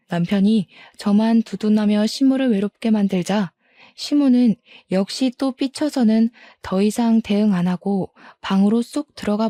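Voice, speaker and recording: A woman narrating a first-person family story in a calm, scripted recounting. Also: mid-range voice, no room sound.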